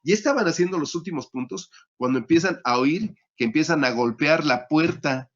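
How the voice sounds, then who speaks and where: A man's voice: on the high side, normal speed, a bit bright. A man teaching a surgery class, telling a story with many fillers and repeated words, talking into a phone. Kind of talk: storytelling lecture. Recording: dull lo-fi sound.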